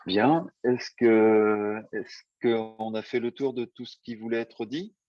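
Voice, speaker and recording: A man's voice: mid-range voice, steady tone, takes it slowly, a little mellow, dry recording, lo-fi sound. A man moderating an informal question session in an encouraging way. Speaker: discussion moderator.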